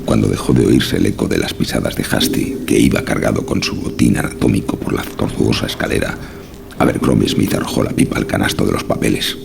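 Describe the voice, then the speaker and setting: A man narrating a horror story from a script, with measured, literary storytelling. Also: extremely low pitch, background noise. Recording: music behind the narration. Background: clearly audible music.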